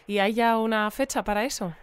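An actress playing a composed female radio news presenter in an audio drama, speaking in a measured, polite, articulate way. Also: mid-range voice, clean tone, no echo, natural voice.

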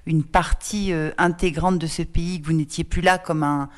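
A woman's voice: deep voice, steady tone, moderate pace. A woman interviewing a guest, asking long questions with many hesitations. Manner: hesitant, searching questions with fillers.

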